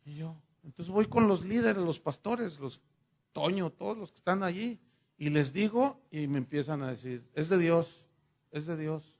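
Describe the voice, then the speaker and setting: A middle-aged pastor from Mexico, speaking with a Mexican Spanish accent, preaches a relaxed, conversational sermon built on personal stories, voicing both sides of each conversation. His voice is high for a man and gravelly, at a moderate pace.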